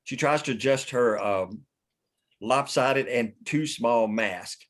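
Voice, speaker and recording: A man's voice: mid-range voice, slow. A man narrating stage directions from a screenplay in a scripted table-read style.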